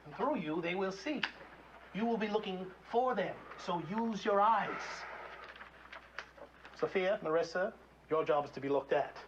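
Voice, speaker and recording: A domineering film director coaches his actors in commanding pronouncements. His delivery is theatrical and animated, on a dull recording with clear noise. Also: high-pitched, unhurried, long pauses. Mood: commanding, teasing. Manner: commanding, aphoristic. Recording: noisy, dull film audio.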